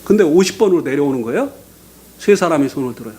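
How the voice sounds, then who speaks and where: A man preaching as a guest speaker, telling his testimony in a lively storytelling way and often laughing. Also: fairly high pitch, quick pace, slightly rough. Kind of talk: sermon with personal testimony.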